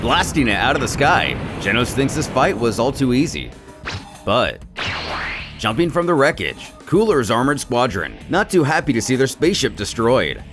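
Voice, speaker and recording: A man narrating a scripted story recap as channel host, telling it in an expressive way with casual asides. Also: mid-range voice, moderate pace. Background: soft background music.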